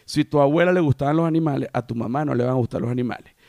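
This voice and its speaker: A man hosting a podcast with an animated comedic monologue, swinging between loud outbursts and low mumbles. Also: very fast, gravelly, dry recording, clean studio sound. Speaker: podcast host.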